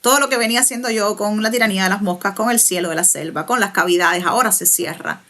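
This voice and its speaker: A young Cuban woman with a Cuban Spanish accent, a writer answering interview questions thoughtfully, pausing and restarting as she searches for words. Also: medium pitch, sharp tone. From Cuba. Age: young adult. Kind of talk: reflective conversational interview.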